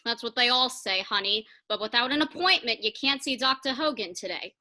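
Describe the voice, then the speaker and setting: A woman acting as a bored old receptionist in a comedy sketch, high and sharp-edged. She is curt, dismissive and thoroughly unhelpful. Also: animated, a little fast. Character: brusque, dismissive old female clinic receptionist. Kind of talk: comedy sketch staged reading.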